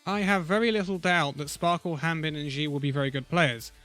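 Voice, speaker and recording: A man who is a little ill and losing his voice gives an opinionated, conversational esports roundup with pauses. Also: on the high side, pushed and bright, faint music behind. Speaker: esports video host. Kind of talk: casual esports commentary vlog.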